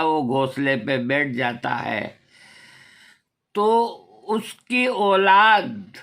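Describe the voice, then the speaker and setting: A man's voice: on the high side, a bit bright. An older man giving a preachy, scolding talk with rhetorical questions, as a homeopathy vlogger. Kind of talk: moral talk to camera.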